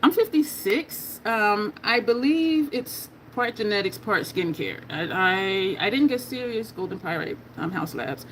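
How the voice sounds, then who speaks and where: Woman, fifties, candid makeup vlogger chat, mid-pitched voice, faint noise behind. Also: low-quality recording. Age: 50s. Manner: candid, chatty, reading viewer comments aloud. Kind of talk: casual chat while doing makeup.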